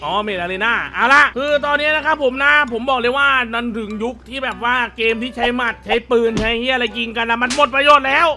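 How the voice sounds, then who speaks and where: A man hosting a gaming video, giving rowdy, profane, excited commentary with frequent shouting. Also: extremely high pitch, fast, few pauses, soft background music. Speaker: gaming YouTuber host.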